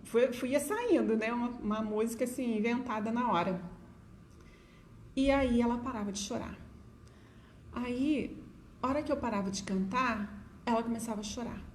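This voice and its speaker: A middle-aged Brazilian woman with a Brazilian Portuguese accent tells stories in a warm, chatty voice that sits a little high. She sprinkles her talk with diminutives and "né?" asides. The sound is roomy and echoey, with a faint hum of ambient noise behind it. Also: moderate pace, long pauses. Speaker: educator sharing stories. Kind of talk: casual storytelling talk to viewers.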